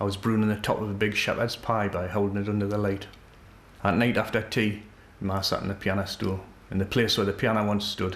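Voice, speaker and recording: A man talks at a very fast pace in a Geordie accent. His pitch sits fairly low. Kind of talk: comic dialect monologue.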